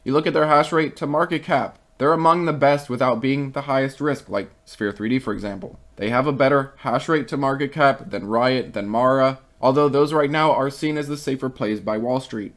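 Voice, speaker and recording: A man's voice: medium pitch, normal speed, few pauses, a bit bright. A man who is losing his voice talks casually through stock charts and market news for his viewers, reading out a company statement and then giving his own opinions. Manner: conversational, reads quotes then gives opinions.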